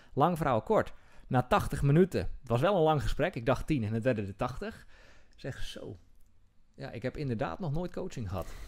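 Against a quiet background, a man with vocal fry speaks with very wide pitch swings and big swings in loudness. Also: fairly high pitch for a man, moderate pace. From Netherlands, Hoeksche Waard (South Holland); South Holland, Netherlands. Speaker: business coach. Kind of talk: interview. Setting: office. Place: meeting room. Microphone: studio mic.

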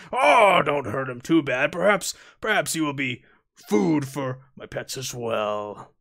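In a put-on character voice, a man talks at a fairly slow pace with a fairly high pitch, captured in a very clean recording against a silent background. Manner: theatrical, gloating, easily agitated.

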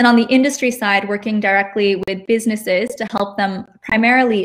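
The woman speaks fairly quickly. Behind her, all is quiet. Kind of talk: presentation. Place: home room.

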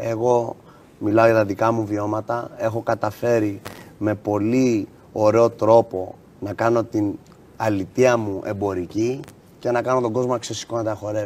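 Over light background noise, a man speaks fairly slowly at a medium pitch in a monotone, flat intonation. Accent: English. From US, New York (Queens); New York. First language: English (speaking Greek). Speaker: rapper; guest. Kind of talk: interview. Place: studio.

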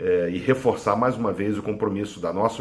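Pitched somewhat low, a man's voice moves along at a middling tempo. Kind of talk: formal greeting statement. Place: home room. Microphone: webcam.

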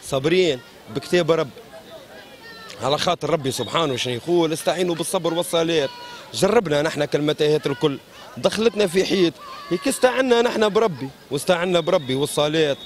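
Against crowd noise in the background, a man talks at a moderate pace with lively intonation, in a dry sound with no echo. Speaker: interviewee. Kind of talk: interview answer. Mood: resigned, patient, faith-framed. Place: street. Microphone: handheld.

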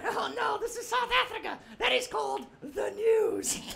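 A man talks in a cartoonish character voice pitched extremely high. Clear background noise runs underneath. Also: moderate pace. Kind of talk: ventriloquist stand-up comedy. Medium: puppet show.

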